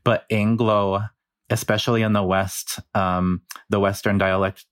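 A man's voice: lowish voice, level tone, a little slow, no room sound, studio quality. A man from New Mexico with a New Mexico Chicano English accent, earnestly explaining speech patterns as a researcher with many fillers. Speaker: linguistics researcher guest. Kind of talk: explanatory interview talk.

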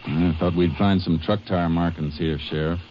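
An actor playing a calm, observant, methodical Texas Ranger in an old-time western radio drama. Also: male voice, low-pitched, normal speed, lightly acted. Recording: dull 1950s radio recording, faint noise.

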